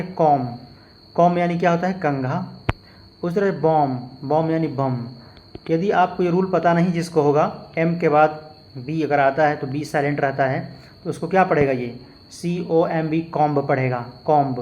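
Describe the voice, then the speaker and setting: A man's voice: a little high, a little mellow, muffled recording. A man teaching a lesson, patiently explaining and spelling out words letter by letter. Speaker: English teacher. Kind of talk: spoken lesson with spelled-out examples.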